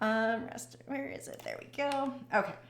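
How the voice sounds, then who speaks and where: Female speech in a room with audible echo, plus light background noise. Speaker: artist streaming a drawing session; digital artist streamer. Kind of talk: live stream chat while working. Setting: live stream. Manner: fast-talking; casual, filler-heavy. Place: home room.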